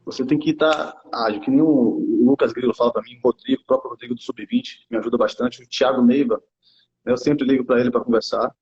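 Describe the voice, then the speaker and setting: Halting Brazilian man, muffled sound. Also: mid-range voice, lively intonation, creaky, darkish tone. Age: 30s. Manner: halting, many restarts and tag questions. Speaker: youth football coach, former player. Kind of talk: casual interview talk.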